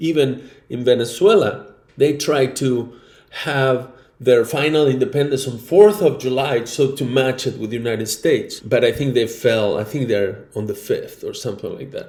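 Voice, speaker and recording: A man in an Argentine accent, medium pitch, ordinary pitch variation and a somewhat breathy sound. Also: moderate pace. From Argentina. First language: Spanish. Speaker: video blogger. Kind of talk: personal reflection monologue. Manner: halting.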